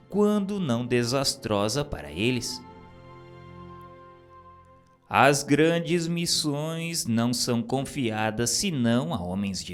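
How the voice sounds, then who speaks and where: A man giving a solemn, measured reading of a spiritual text as narrator. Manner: slow, measured, grave delivery with lively pitch swings.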